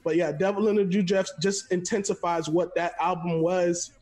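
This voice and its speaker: A young man from Florida, a guest telling stories in an animated, rambling way over a headset from his living room. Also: high voice, moderate pace. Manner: animated, laughs often, rambling storyteller. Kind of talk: casual video call chat.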